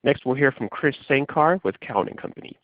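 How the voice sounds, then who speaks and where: A man's voice: mid-range voice, animated, brisk, dry recording. A man working as a conference call operator, reading scripted instructions and announcements to callers. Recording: dull, dry phone conference audio.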